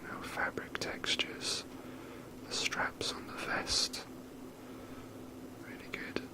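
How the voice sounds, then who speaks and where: A man whispers ASMR video game commentary in a rambling, wry, sweary manner, close to the microphone. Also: takes it slowly. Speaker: video game streamer making ASMR gameplay.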